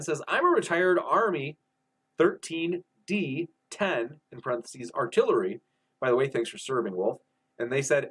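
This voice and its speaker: A man hosts a live debate show and reads out viewer messages in a friendly, easygoing way. His voice sits a little high, and he comments casually between the questions. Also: fairly bright tone, husky. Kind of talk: reading viewer chat questions.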